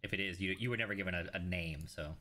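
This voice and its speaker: A man narrating a tabletop fantasy game as game master, in a halting, improvised way. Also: low-pitched, bright, forceful tone, a little hiss or hum.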